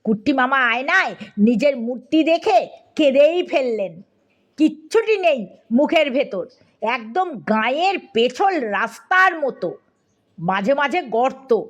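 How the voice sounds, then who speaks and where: Woman storyteller, comic audiobook narration, high voice, unhurried, lively. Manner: lively, comic, addressing listener.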